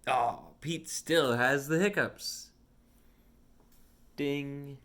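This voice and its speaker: A man reading a children's picture book aloud as a storyteller, with simple, deliberate phrasing. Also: mid-range voice, fairly bright tone. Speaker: read-along storyteller.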